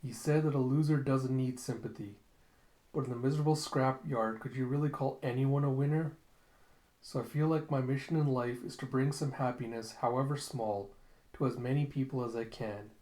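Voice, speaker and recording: A man's voice: mid-range voice, steady tone, moderate pace, a little mellow, lightly acted. Man as an earnest, kindly woman, echoey room. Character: earnest, compassionate female idealist.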